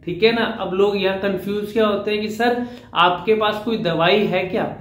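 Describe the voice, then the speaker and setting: A man's voice: high voice, steady tone, normal speed, fairly bright tone, roomy sound. A man from India, a public speaking coach, giving an earnest talk to camera and answering his own questions.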